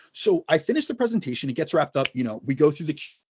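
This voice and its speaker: At a very fast pace, a man talks in a fairly high, somewhat breathy voice with very wide pitch swings. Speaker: fitness coach and former bodybuilder. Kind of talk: podcast interview. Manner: lively.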